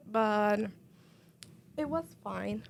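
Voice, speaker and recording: With a Cuban accent, a woman speaks at medium pitch. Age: 20s. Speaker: ESL student. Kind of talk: interview testimony. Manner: halting, searching for words.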